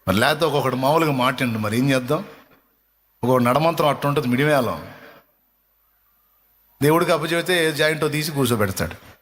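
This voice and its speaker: A man's voice: mid-range voice, expressive, brisk, pauses often, a bit bright, a little hiss or hum. Earnest preaching man, echoing hall. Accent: Telugu. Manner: earnest preaching, stressing lines by repeating them. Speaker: pastor. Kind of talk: sermon. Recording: long hall reverb.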